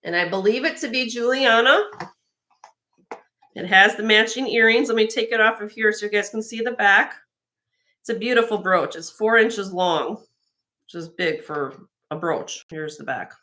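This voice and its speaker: A woman with a slightly raspy voice hosting a live jewelry sale, chatting casually and admiringly as she shows each piece, with frequent fillers and restarts. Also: medium pitch, normal speed, bright, forceful tone. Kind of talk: casual show-and-tell product presentation.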